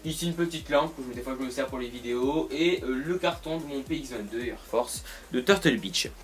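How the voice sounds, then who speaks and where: A man's voice: medium pitch, a little fast, faint music behind. A young man giving a casual tour of his bedroom, rambling with lots of fillers and restarts and dropping the odd joke, recorded by a camera on a tripod. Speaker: YouTuber. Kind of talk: casual room tour vlog.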